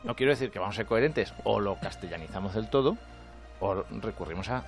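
Man, Spanish accent, radio comedian, fast talker, animated, jokey, faint background music. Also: lowish voice. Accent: Spanish from Spain. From Spain. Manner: animated, jokey, acts out quoted voices. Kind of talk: comic radio monologue. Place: radio studio.

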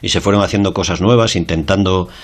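A man's voice: low voice, fast talker. A man in a radio discussion, explaining a case with frequent fillers.

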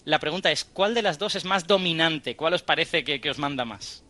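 A man's voice: fairly high pitch, expressive, moderate pace, sharp tone, dry recording. A man on a radio show, explaining a study and quizzing the hosts. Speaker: science guest.

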